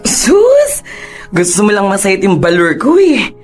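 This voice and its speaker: A man's voice: high voice, huge pitch swings, a little slow, faint music behind, exaggerated voice. An actor playing a sassy, campy gay man in his late twenties who teases with playful slang. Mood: teasing.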